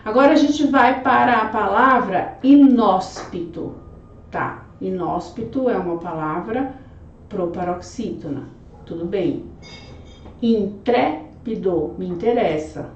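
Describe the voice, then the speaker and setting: A Brazilian Portuguese woman teaching, correcting an exam question by question in a slow, chatty, didactic way. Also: medium pitch, reverberant, recorded from a distance, muffled recording, a little hiss or hum.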